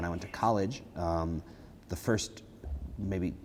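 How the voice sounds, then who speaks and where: With a Midwestern American accent, a man talks at a moderate pace in a very deep, low pitch marked by vocal fry. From US Midwest, small town in Michigan. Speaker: improv comedian and teacher. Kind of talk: interview talk. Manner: hesitant, many fillers.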